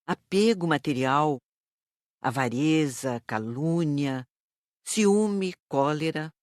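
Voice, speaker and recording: A woman playing a calm, serious spirit teacher in an audiobook, speaking in a measured, didactic way. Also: deep voice, no room sound, clean studio sound. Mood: instructive. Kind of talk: audiobook dialogue.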